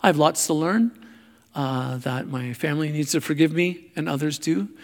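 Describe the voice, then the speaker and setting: A man preaching a sermon in a halting, self-deprecating way, searching for his words as he goes. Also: fairly high pitch. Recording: long hall reverb.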